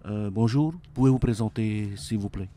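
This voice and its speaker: A man's voice: lowish voice, moderate pace, warm tone, slight background noise. A man hosting a radio interview, speaking hesitantly with many "euh" between phrases. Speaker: radio host. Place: radio studio.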